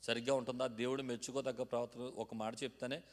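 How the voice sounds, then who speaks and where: A man's voice: mid-range voice, little pitch movement, fast. Man preaching in a reverberant church hall. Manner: call-and-response preaching, building to loud emphatic peaks. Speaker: pastor. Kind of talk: sermon.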